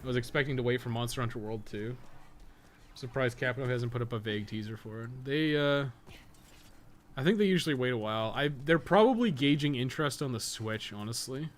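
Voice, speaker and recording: Playing a game on stream, a North American man rambles in an animated, fairly quick, medium-pitched voice. He's a game streamer and podcast co-host whose casual chat is blunt, opinionated and full of swearing.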